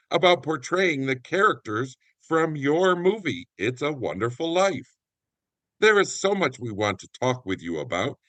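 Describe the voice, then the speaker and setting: Guy doing scripted show intro, very animated pitch, bright voice, dry recording. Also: no echo. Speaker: presenter and guest actor.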